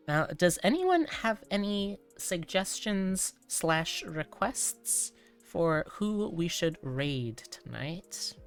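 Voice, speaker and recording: A woman's voice: mid-range voice, clean tone. A woman hosting a livestream, chatting casually to her viewers in an informal, playful way with cutesy wording. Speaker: livestreamer, VTuber host. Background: background music.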